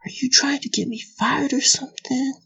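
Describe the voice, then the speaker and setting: A man playing a friendly, concerned office coworker with a breathy voice in an amateur audio drama. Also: very high-pitched, fairly even intonation, normal speed, sharp tone, lo-fi sound, exaggerated voice. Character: friendly, concerned male office coffee runner.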